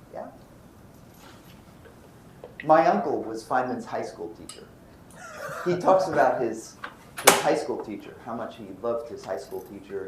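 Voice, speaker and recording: An American man from Brooklyn giving a physics lecture, posing questions and answering them himself. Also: lowish voice. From Brooklyn, United States. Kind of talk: lecture with anecdotes. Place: lecture room. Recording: roomy echo, faint background noise.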